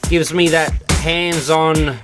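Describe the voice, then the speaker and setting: A man with a slightly high voice presents a hands-on tutorial. He explains things informally, one step at a time, in an easygoing instructional style. Electronic music plays clearly behind his voice. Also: steady tone, slow pace. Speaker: presenter of an audio gear tutorial. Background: electronic music beat playing.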